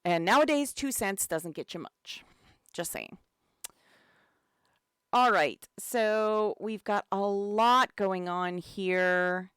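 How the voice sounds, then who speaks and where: Woman community manager with a cold, laid-back stream host, slow delivery, smooth tone. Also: mid-range voice, dry recording, clean studio sound. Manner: chatty and relaxed, many fillers, greets chat. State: has a cold. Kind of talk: casual live-stream commentary.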